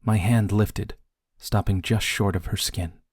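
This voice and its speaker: A man narrates an audiobook in a low, dry-sounding voice. His delivery is unhurried and hushed, with deliberate pauses for dramatic effect. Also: steady tone, breathy edge, no room sound.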